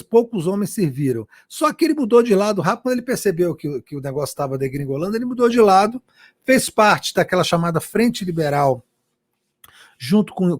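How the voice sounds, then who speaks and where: Man, high voice, dry sound, passionate, repeats himself. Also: a little mellow, no echo. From Brazil. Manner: passionate, many restarts and repeated words. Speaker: journalist guest. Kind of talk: interview answer.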